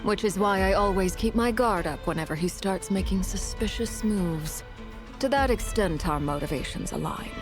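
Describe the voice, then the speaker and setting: A woman playing a composed, calculating noblewoman officer in a video game, speaking formally and with measured poise. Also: mid-range voice, expressive, over music, natural voice. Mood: guarded.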